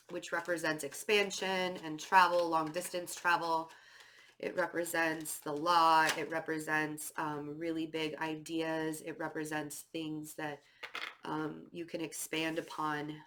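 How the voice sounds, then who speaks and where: A stuffy, slightly nasal woman talks through a tarot reading in an easy, rambling way, with plenty of ums and likes. Her voice sits a little low but sounds bright and forward. She sounds restless and a bit nervous. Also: a little hiss or hum. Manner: chatty, filler-heavy, with many "um" and "like"; self-described nervous and fidgety. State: stuffy nose from a cold. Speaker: tarot reader. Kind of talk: casual spoken tarot reading to camera.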